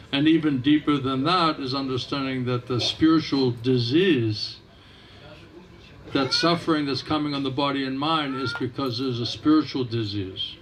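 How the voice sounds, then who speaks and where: A man, a monk, giving an informal spiritual talk in a temple hall, speaking gently and conversationally and repeating back what he hears. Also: medium pitch. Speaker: monk answering questions.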